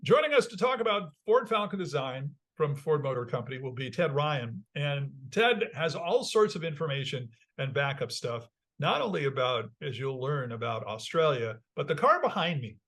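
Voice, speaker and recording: A man hosting a car podcast in a studio, chatty and enthusiastic, with loud intro announcements. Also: a little high, big pitch swings, normal speed, hardly any pauses. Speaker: podcast host. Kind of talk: casual talk show hosting.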